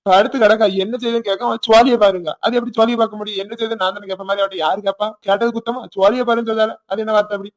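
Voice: medium pitch, fairly even intonation, rapid-fire, few pauses, natural voice. A performer voicing a surly, dismissive village husband in a cartoon, grumbling in a Tirunelveli accent. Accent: Tirunelveli Tamil. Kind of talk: cartoon voice acting.

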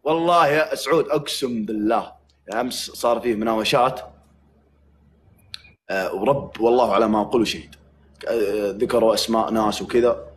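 A man's voice: medium pitch, slight background noise. A man with a Saudi accent hosting a livestream, chatting casually with joking, mock-threatening banter. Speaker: livestream host.

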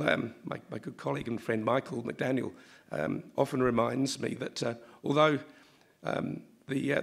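A middle-aged man speaks at a lectern microphone on an auditorium stage. His voice is gravelly and a little croaky, at an ordinary pitch for a man. He pauses often, with frequent ums and uhs. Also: fairly bright tone. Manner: halting, many ums and uhs. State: slightly croaky voice. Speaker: university vice-chancellor. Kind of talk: formal welcome speech at a lectern.

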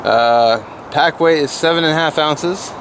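A man's voice: on the high side, measured pace, noisy background. Chatty man cooking at a forest campsite. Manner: relaxed, chatty, thinks aloud while cooking. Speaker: camping vlogger. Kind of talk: casual outdoor cooking vlog. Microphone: camera-mounted mic, speaker moving near and away.

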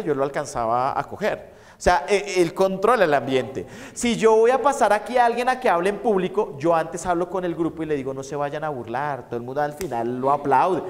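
Lecturer in an echoey hall. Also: male voice, high-pitched. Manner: storytelling, repeats points to dictate. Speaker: psychology lecturer. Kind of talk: university lecture.

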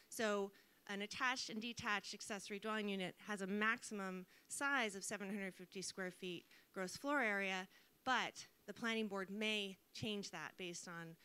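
A woman in her forties, a city planner, explaining zoning rules to an audience on a handheld mic, with frequent "um" pauses. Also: mid-range voice, sharp tone, clean tone. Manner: informative, many "um" pauses. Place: event hall with audience, indoors.

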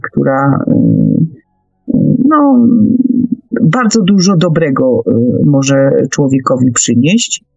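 Female talk host: deliberate and hesitant, creaky voice, dry close sound over music. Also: low-pitched, lively intonation, darkish tone, no room sound, poor audio. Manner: halting, deliberate, frequent long hesitations. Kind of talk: conversational radio discussion.

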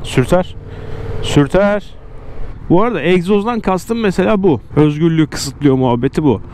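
Clear engine and traffic noise surrounds a man. He talks casually to his viewers from inside a motorcycle helmet, giving slangy, joking running commentary as he rides. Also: fairly high pitch, lively intonation, normal speed, darkish tone. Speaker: motorcycle vlogger. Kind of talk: casual chat to viewers while riding. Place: outdoors on a moving motorcycle in city traffic. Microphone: close helmet microphone. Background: motorbike and city traffic noise.

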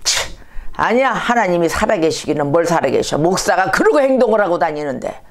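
A woman's voice: fairly low pitch, very animated, a little fast. A woman voicing her bedridden friend, a church deacon who complains bluntly and scoffs. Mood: scoffing.

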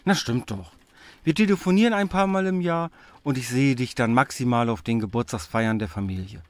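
A man's voice: medium pitch, fairly quick, no room sound, close to an everyday voice. A man playing a lonely, hesitant middle-aged father in a naturalistic radio drama. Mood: hurt, reproachful. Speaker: voice actor in an audio drama.

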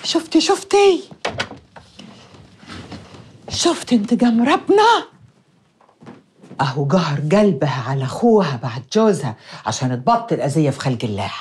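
An actress playing a scheming, vengeful middle-aged village matriarch, gloating and sly. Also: female voice, sits low, big pitch swings, moderate pace, pauses often, darkish tone, slight background noise. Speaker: mother-in-law. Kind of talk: TV drama acting. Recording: faint music score behind.

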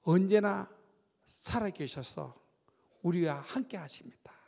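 An older man giving a lively sermon testimony in a church, telling stories with shouts and sound effects. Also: sits high, unhurried, vocal fry. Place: church sanctuary. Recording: long church-hall reverb.

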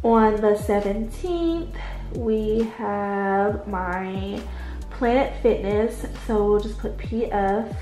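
A woman with a stuffed-up, congested voice talks her viewers through a planner in a slow, unhurried way, calling them y'all. The room echoes around her, and faint music plays underneath. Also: mid-range voice, dark tone. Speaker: budget planning vlogger. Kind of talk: casual chat while writing in a planner. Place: indoors at a desk at home, late at night.

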